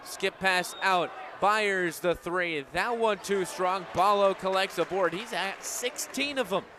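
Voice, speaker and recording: His voice is high-pitched and slow as this young American, in his twenties, calls a game live for radio. The venue's crowd and ambient game noise carry in the background.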